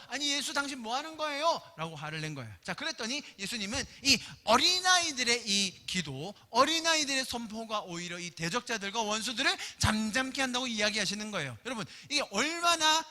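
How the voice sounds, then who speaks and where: A high, very bright male voice preaches with lively, swooping pitch. He tells the story in an animated way and acts out each voice. The sound carries a long reverb from a church hall. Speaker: pastor. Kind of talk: Korean sermon.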